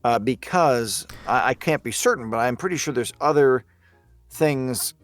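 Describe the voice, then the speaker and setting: A man chatting casually as a podcast team member, earnest and often halting as he searches for his words. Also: mid-range voice, dry recording, faint music behind. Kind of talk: casual chat.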